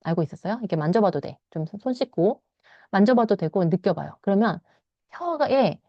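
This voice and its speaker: A woman's voice: medium pitch, lively intonation, no echo. Korean female English teacher, read-aloud lesson, dry close lo-fi recording. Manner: reads English lines slowly, then explains in quick Korean. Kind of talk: bilingual read-aloud lesson, explaining a novel.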